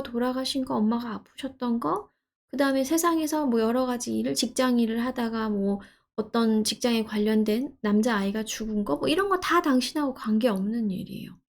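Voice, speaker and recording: Soft-spoken woman counselor, slightly high. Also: fairly quick. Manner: gentle, soothing, acts out inner speech in quotes. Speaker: counselor answering a viewer's question. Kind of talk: advice talk to camera.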